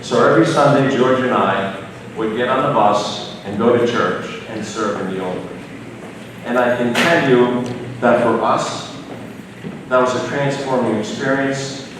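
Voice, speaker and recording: Earnest man speaking in an echoey hall. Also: mid-range voice. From United States. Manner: measured, earnest, reflective. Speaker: physician giving a speech. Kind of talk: prepared speech. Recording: echoey hall from far off, noisy.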